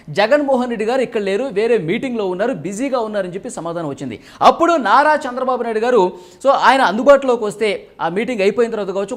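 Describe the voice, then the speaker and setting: A man giving live news reporting and political analysis, repeating points and often starting phrases with "so". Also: sits high.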